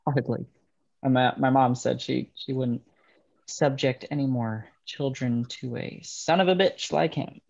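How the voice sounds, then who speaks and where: Creaky-voiced, bitter young man, read by an actor. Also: medium pitch, fairly even intonation, a little slow, a little mellow, dull audio. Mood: bitter, subdued. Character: bitter young railroad man estranged from his ruthless father. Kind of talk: dramatic table read.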